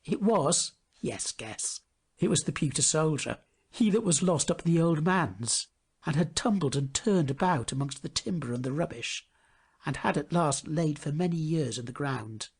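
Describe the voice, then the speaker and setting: A man reading a storybook tale aloud in an expressive, dramatic storytelling manner. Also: on the high side, moderate pace, slightly rough. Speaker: storybook reader. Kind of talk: scripted storybook narration.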